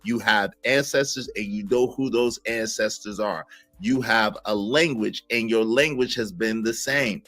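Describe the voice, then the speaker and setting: Forceful, combative man on a stream. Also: fairly low pitch, unhurried, faint music behind. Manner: forceful, combative, talks over others. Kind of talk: heated live-stream debate.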